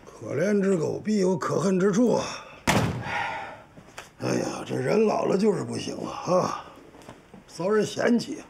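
A man's voice: high voice, sing-song, a little slow, gravelly, long pauses, background noise, exaggerated voice. A man in his sixties playing a self-pitying old father in a TV drama, querulous and sarcastic. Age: 60s. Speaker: actor in a television family drama. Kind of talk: naturalistic TV drama dialogue. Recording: prominent music behind the dialogue.

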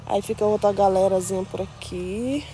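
Woman, casual garden vlog, chatty and doting, mellow tone, phone mic outdoors. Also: medium pitch, steady tone, normal speed, slight background noise. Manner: chatty and doting, coos over plants with diminutives. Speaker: plant vlogger. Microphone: phone held while filming.

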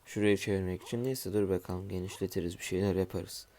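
Freshly awake and groggy, a gamer streams casual let's-play commentary from his room at home in a low, gravelly voice with a dark, mellow tone. He talks fast with fairly even intonation, muttering as he builds and now and then addressing viewers.

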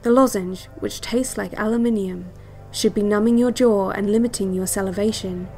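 Female cassette instructor played by a woman for audio drama: slow, clinical, hypnotic and quietly controlling, light music underneath. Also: mid-range voice, vocal fry, lightly acted. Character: calm, controlling female relaxation-tape instructor. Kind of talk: guided visualization cassette narration.

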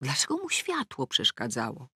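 A middle-aged woman reading a first-person novel aloud, wry and ironic, with sudden rises in pitch on the punchlines. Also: wildly swooping pitch, moderate pace, sharp tone, breathy edge, no room sound, studio quality. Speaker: audiobook narrator. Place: dry recording booth. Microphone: close studio mic.

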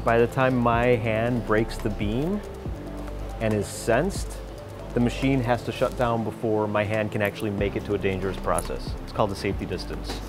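A man's voice: lowish voice, steady tone, normal speed. A man explaining factory safety systems with enthusiasm, recorded on a large factory floor with a lapel mic. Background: background music.

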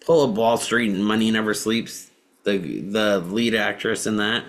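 A woman's voice: rumbling low, unhurried. A woman co-hosting a podcast, teasing the others playfully in casual chat. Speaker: podcast co-host.

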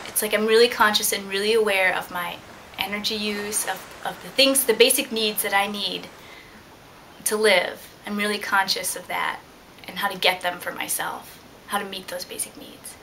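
A woman's voice: mid-range voice, fairly even intonation, normal speed, background noise. A young adult woman talking casually and reflectively as an interviewee about her own life, seated indoors. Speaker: liveaboard sailor being interviewed.

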